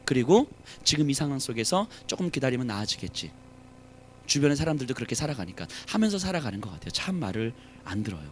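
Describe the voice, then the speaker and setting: A man preaching a sermon as pastor at a church service, animated, rising to emphatic challenges and dropping to soft asides. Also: mid-range voice, fast, slight background noise.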